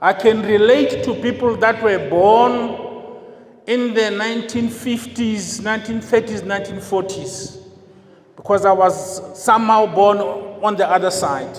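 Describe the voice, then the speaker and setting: A man with a Lesotho accent and high pitch speaks at a fairly slow pace with fairly even intonation over noticeable background noise. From South Africa, Free State. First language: Sesotho. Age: 60s. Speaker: pastor. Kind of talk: sermon.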